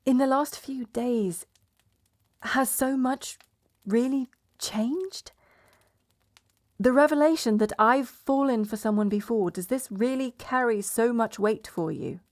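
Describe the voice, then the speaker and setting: A woman's voice: a little high, slow, a little mellow. A woman playing a proud, blunt betrothed princess in a medieval romance audio roleplay, sardonic and exasperated in manner. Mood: weary, resigned. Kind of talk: romance audio roleplay acting, addressed to listener.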